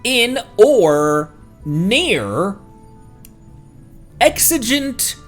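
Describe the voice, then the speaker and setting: A man's voice: high voice, sing-song, extremely slow, soft background music. A man streaming a game with casual commentary, often stopping and restarting as he talks.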